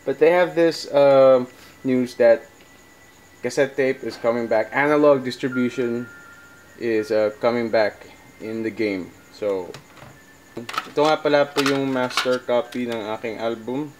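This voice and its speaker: A middle-aged Filipino man talks casually to viewers in a halting, conversational vlog style, thinking aloud as he demonstrates. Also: mid-range voice, a little mellow, slight background noise. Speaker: musician vlogger.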